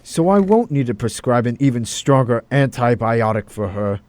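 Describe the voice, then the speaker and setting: A man's voice: medium pitch, very animated, normal speed, a little mellow, a little hiss or hum, lightly acted. A man playing a wistful, secretive doctor in an audio drama, theatrical and evasive, with an air of authority. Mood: composed.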